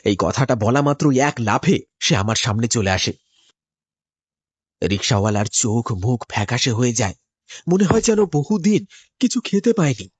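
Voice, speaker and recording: A man's voice: medium pitch, expressive, moderate pace, breathy edge, no room sound. A man narrating a horror cartoon in the first person, in a tense, dramatic storytelling manner. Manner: tense, storytelling delivery with sudden rises.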